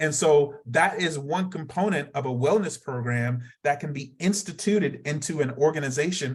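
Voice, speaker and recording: A man with an American accent speaks in a fairly high pitch, his voice somewhat breathy. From US, Florida. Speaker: counselor educator and mental health leader. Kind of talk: webinar presentation. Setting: online webinar with slides.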